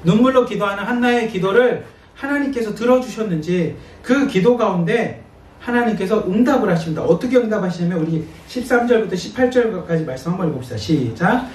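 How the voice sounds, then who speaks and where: A male pastor with a high-pitched voice preaches and reads scripture a little fast in a church sanctuary, conversational and animated, acting out asides. The recording is echoey, with a distant mic and faint noise.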